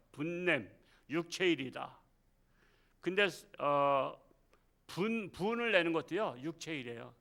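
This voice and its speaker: A middle-aged male pastor preaches a Wednesday service in a church, his voice pitched high and sounding bright. He talks with the congregation in a loose, conversational way, firing rhetorical questions and acting out the speech he quotes. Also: clean tone. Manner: acts out quoted speech in the sermon. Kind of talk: Wednesday evening sermon. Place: church sanctuary.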